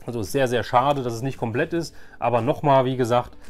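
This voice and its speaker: A man's voice: medium pitch, steady tone, a little fast, faint music behind. A man in his forties talking to viewers in a casual, nostalgic vlog style, informal, rambling and enthusiastic. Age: 40s. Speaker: video host.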